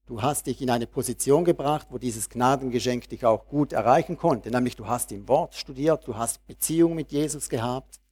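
A man preaching a sermon, reading Bible verses slowly and then speaking freely and directly to his congregation. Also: medium pitch, a little mellow, breathy edge.

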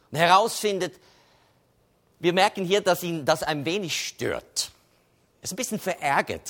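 High-voiced preacher. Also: male voice, a bit bright. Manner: conversational preaching, tags with "oder?". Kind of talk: sermon.

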